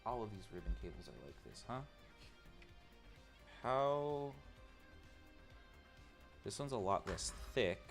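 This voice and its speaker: A man streams himself building a robot, talking to chat in a rambling, self-mocking way while he tinkers. His lowish voice swings widely in pitch, and he speaks slowly with frequent pauses. Soft music plays behind him.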